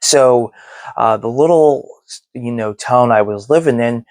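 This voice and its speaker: A man's voice: mid-range voice, unhurried, darkish tone, no room sound. A man in his thirties hosting a movie review channel, chatting casually to his viewers with lots of fillers. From born in Texas, raised in Germany and Florida. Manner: rambling, many fillers. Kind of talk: casual talk to camera.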